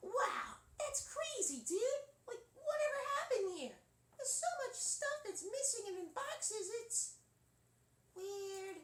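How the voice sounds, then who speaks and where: An extremely high-pitched put-on character voice moves at a fairly slow pace, broken by long, frequent pauses. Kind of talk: casual surfer-dude. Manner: casual, relaxed.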